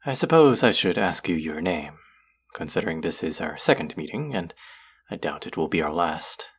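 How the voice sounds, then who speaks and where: A man playing an aloof, lonely lord of the underworld who is secretly soft, speaking formally and wryly to the listener in an intimate audio roleplay. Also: low voice, big pitch swings, normal speed, husky, full character voice. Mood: reserved, curious. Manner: formal, wry, guarded, addressing the listener directly.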